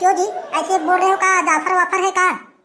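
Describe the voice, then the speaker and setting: Squeaky and cartoonish, this woman's character voice rushes at a very fast pace and an extremely high pitch, with very even loudness and fairly even intonation. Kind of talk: rustic village comedy. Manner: bargaining, sceptical.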